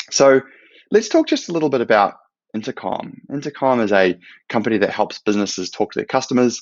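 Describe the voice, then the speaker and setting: A man's medium-pitched voice with a New Zealand accent, lively intonation and a very fast pace. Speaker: product manager. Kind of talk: conference talk.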